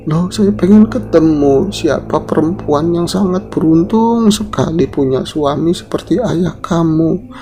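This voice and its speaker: A man's voice: on the high side, unhurried, dark tone, faint music behind, pitched above the performer's own voice, close to an everyday voice. A man voicing a grieving older woman, pleading and sobbing. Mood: earnest.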